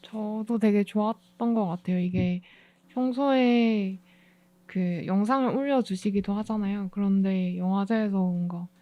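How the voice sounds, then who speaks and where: Woman, medium pitch, dry close sound, guest director, casual interview talk. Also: a little slow, dry recording, dull audio.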